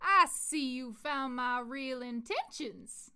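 A woman's voice: high-pitched, animated, slow pace, very noisy, full character voice. A woman playing a scheming, grandiose scientist villain in a comedic audio drama. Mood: gloating villainy. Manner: grandiose, falsely reassuring, blunt. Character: scheming, theatrical female velociraptor scientist villain.

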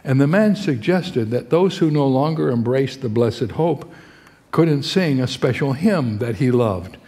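A man's voice: medium pitch, lively intonation, measured pace, dark tone. An older man preaching a sermon to a congregation, talking in a conversational way and asking the crowd questions. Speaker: pastor. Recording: long hall reverb.

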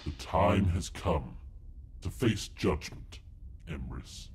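A man's voice: low voice, expressive, takes it slowly, background noise. A man playing a menacing, otherworldly knight in an audio drama, solemn and imperious as he passes grim judgment. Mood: cold judgment.

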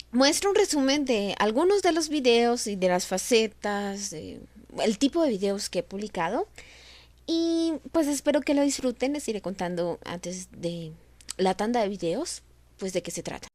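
A woman's voice: fairly high pitch, big pitch swings, a little slow, darkish tone, dry recording. A woman introducing her own videos in a casual, giggly, self-deprecating way. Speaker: amateur fandubber and singer presenting own videos.

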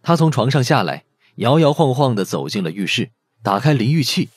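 Expressive husky male audiobook narrator. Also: medium pitch, brisk, dry recording. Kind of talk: scripted dramatic narration of a novel.

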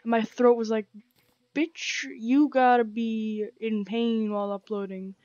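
A young woman with a croaky, sore throat, rambling casually as she plays and comments on a game, full of slang and fillers. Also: a little high, fairly even intonation, measured pace, darkish tone, no echo, muffled recording. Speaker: gaming channel host. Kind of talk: casual let's-play commentary. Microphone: gaming headset.

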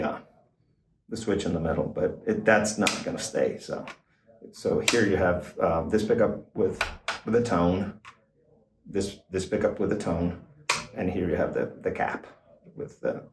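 An older man, a guitar expert guest, explaining in a casual, halting way with many fillers and restarts, in a small backstage room. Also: low voice, distant mic. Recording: roomy, off-mic, faint noise.

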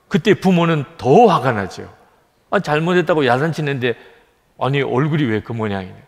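A middle-aged male pastor delivers a sermon with an earnest, lively rise and fall in his voice. He sits a little high for a man. His words ring out with the long reverb of a large church sanctuary. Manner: earnest preaching, acts out a child's plaintive voice in quotes.

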